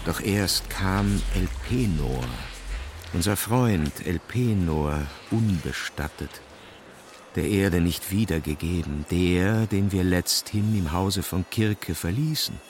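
An actor playing a solemn ancient seafaring king who recounts his voyage in measured, incantatory verse for a radio play. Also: deep voice, darkish tone. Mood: grim. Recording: clear background noise.

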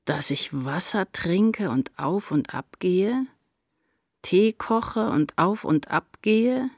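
A woman's voice: lowish voice, lively intonation, takes it slowly, darkish tone, husky, dry recording, studio quality, heavily acted. An actress playing an anguished woman writer, narrating her inner turmoil intensely and introspectively in a literary radio play. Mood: indignant, brooding.

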